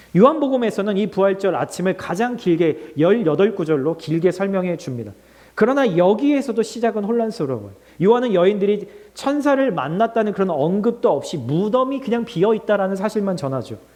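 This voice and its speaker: A man's high-pitched voice, dark and mellow in tone, at a fairly quick pace. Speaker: pastor. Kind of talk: sermon.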